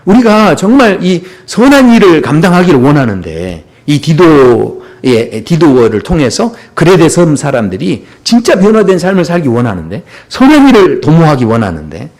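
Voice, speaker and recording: Male pastor preaching sunday service, kinda high voice that jumps around a lot, chatty and jokey with the congregation. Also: very animated, normal speed, few pauses, a little mellow. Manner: conversational, humorous preaching with frequent "예" asides. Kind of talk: sermon.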